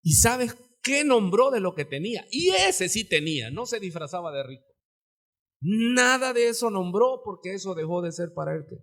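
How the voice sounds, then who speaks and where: Fervent high-voiced Mexican pastor preaching. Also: male voice, sing-song, normal speed. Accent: Mexican Spanish. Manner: fervent preaching, sudden high shouts and low asides. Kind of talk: live church sermon. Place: church sanctuary.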